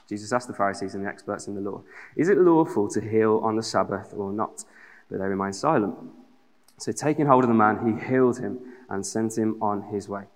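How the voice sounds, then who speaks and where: A young man with a Black Country accent from the West Midlands, reading scripture and then telling chatty, self-deprecating stories in a sermon. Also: on the low side. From West Midlands, England. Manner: chatty, self-deprecating humour with many fillers. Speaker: preacher. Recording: long hall reverb.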